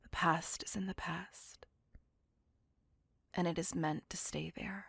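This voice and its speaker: A woman voicing a possessive, devoted female vampire on a date, speaking in a soft, close, apologetic and doting whisper. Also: on the low side, steady tone, slow, gravelly, slightly rough, dry recording, heavily acted. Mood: tender whisper. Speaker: voice actor. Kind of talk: ASMR roleplay whispering.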